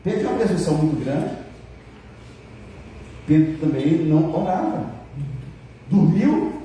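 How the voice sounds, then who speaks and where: Brazilian pastor preaching in a booming hall. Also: male voice, big pitch swings, a little slow, mellow, slight background noise. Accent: Brazilian Portuguese. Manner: jokes with the congregation; acts out quoted dialogue. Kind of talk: sermon. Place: church hall. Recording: very echoey hall, mic far off.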